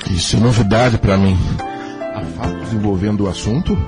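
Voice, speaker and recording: A man's voice: lowish voice, moderate pace, over loud music, natural voice. An actor playing a proud, middle-aged Brazilian father in a radio soap, with an agitated, dramatic delivery. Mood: surprised. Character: proud middle-aged father, scandalised, reputation-minded, reluctantly relenting.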